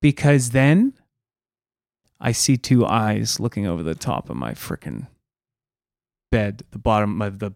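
A man's voice: on the low side, lively intonation, a little slow, gravelly, pauses often, darkish tone, no echo, clean studio sound. A man co-hosting a comedy podcast, rambling through a spooky story with plenty of fillers. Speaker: podcast co-host.

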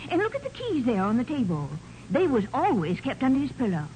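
Folksy, animated household servant. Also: female voice, sits high, a little fast. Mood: earnest. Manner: folksy, deferential. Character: plain-spoken female household servant, earnest and helpful. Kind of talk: 1940s radio crime drama acting. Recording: noisy 1940s radio recording.

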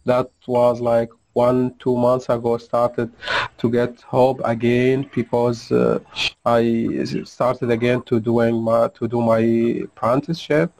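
Man, 30s, from Syria; slow, halting, gravelly. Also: medium pitch, little pitch movement, a little mellow, low-quality recording. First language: Arabic. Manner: hesitant, halting non-native English. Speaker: interview guest. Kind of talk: casual conversation.

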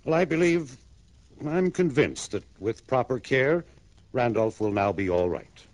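An actor playing an older psychiatrist in a 1960s radio drama, explaining in a measured, fatherly way. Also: mid-range voice, animated, dry recording, natural voice. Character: calm, authoritative male psychiatrist, older. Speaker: doctor. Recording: dry vintage radio broadcast.

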